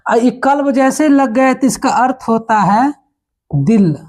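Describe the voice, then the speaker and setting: A man's voice: extremely high pitch, expressive, a little mellow. Patient man teaching Hindi grammar. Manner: patient, repeats words slowly, checks in with "है ना". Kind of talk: classroom lesson.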